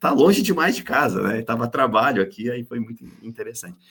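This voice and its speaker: A man talks at a very fast pace. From Rio Grande do Sul, Brazil (northeast region). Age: 40s. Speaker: university professor. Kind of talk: radio interview. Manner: hesitant, repeats words.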